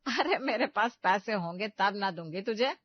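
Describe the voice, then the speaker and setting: A woman's voice: mid-range voice, animated, normal speed, dry recording, close to an everyday voice. A woman playing a bossy, scolding mother-in-law. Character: sharp-tongued stingy older mother-in-law. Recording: dry, dull lo-fi sound.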